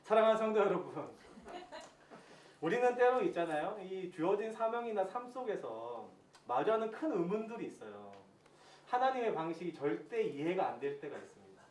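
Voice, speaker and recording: A pastor in his thirties giving a sermon as lively storytelling, acting out his own prayers. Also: high-pitched, normal speed. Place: church hall. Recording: echoey church hall, distant mic, faint hiss.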